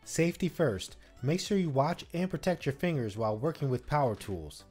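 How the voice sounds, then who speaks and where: A man's voice: fairly high pitch, very animated, moderate pace, a little mellow, husky, faint music behind. A man, co-host of a home-improvement channel, giving a scripted step-by-step voice-over on installing a shelf. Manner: instructive, step-by-step.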